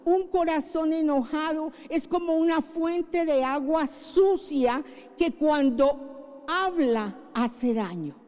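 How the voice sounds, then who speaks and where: A woman's voice: high voice, warm tone, in a large hall. A middle-aged woman pastor preaching a sermon, praying fervently and repeating key phrases with emphasis. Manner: fervent prayer, emphatic repetition. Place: church.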